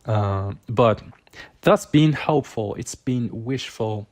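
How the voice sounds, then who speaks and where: Guy doing a tarot reading, normal mid pitch, chatty and informal, kinda thinking out loud while he explains cards. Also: takes it slowly. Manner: conversational, informal, thinking aloud. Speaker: tarot reader, channel host.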